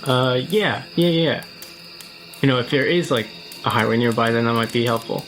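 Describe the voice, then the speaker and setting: A man playing a tabletop game, improvising and describing his character's moves in a halting, tentative, casual way. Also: medium pitch, steady tone, fairly bright tone. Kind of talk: casual improvised roleplay and narration. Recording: faint music under the voice.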